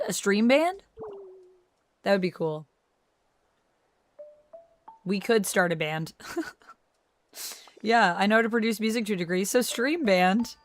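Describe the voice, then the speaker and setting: A woman chatting casually on her live stream, reading chat messages aloud and replying to viewers. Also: medium pitch. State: recovering from vocal strain.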